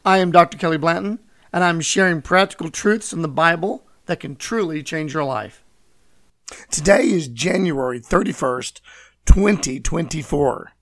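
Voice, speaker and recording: A man with a scratchy, hoarse voice, teaching and reading scripture as host of a Bible program. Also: a little high, normal speed, a bit bright. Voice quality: scratchy, raspy. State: hoarse from voice loss, recovering.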